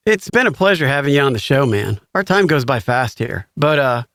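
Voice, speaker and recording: A man's voice: medium pitch, big pitch swings, a little fast, fairly bright tone, dry recording, clean studio sound. A man hosting a podcast in a casual, friendly, complimentary way. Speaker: podcast host, voiceover artist. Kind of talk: casual chat and show sign-off.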